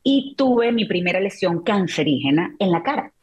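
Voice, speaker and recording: A woman's voice: lowish voice, big pitch swings, normal speed, darkish tone, husky, highs cut off. A middle-aged woman, an interview guest, telling a personal story in a candid, reflective way with frequent restarts. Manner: candid, reflective, emotional retelling with many restarts. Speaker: interview guest, journalist and author.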